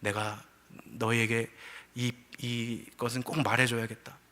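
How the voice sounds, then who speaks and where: A proud old tiger from a folktale, speaking gravely as the elder of his family, as a man puts him on. The voice is bright and earnest, with a storyteller's solemn weight. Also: mid-range voice, level tone, a little slow.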